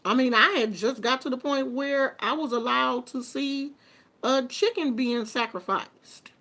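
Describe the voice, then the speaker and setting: Casting: woman in her fifties, relaxed and chatty host talking straight to viewers. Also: high voice, measured pace. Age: 50s. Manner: chatty and informal, with colloquial phrasing. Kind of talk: casual live chat with viewers.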